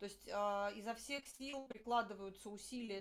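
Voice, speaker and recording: This woman has an unremarkable speaking voice pitched fairly high. She talks at a moderate pace with ordinary pitch variation. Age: 50s. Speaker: interviewer, former corporate employee. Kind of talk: interview conversation.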